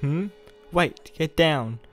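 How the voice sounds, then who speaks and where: A man's voice: fairly high pitch, slow, faint music behind. A young man playing an awkward, earnest college student who is secretly a superhero, in a roleplay audio with hesitant delivery. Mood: urgent.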